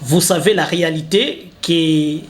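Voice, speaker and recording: A man, hosting a talk show interview and pausing often with fillers. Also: a little high, crowd noise. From Congo. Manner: hesitant, many fillers and restarts. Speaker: host.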